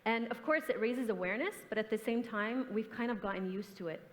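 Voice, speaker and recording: A woman's voice: on the high side, a little fast. A young woman, an artist, answering on a forum panel in an earnest, reflective, impassioned way. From grew up in the US and Canada. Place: large conference hall. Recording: hall reverb, stage mic.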